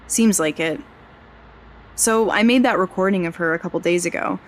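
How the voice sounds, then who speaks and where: Woman playing a low-voiced young journalism graduate, earnest. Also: normal speed, a little hiss or hum, close to an everyday voice. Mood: reflective. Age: young adult. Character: young journalism graduate investigating her missing aunt, earnest, wry. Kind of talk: naturalistic audio drama acting.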